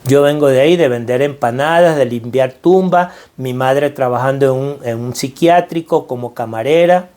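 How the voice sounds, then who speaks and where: Speaking at a normal speed with few pauses, this middle-aged man with a Venezuelan Spanish accent delivers a motivational talk on financial mindset. His medium-pitched voice is a little mellow. He's earnest and preacherly, repeating phrases to stress them.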